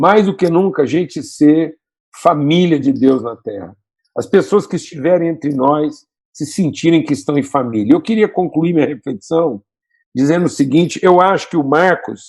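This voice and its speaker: A man speaks in a plain, everyday voice at a moderate pace. His pitch is fairly high and varies in an ordinary way. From Brazil, Minas Gerais (Triângulo Mineiro). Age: 60s. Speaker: pastor. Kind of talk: sermon. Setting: online church livestream.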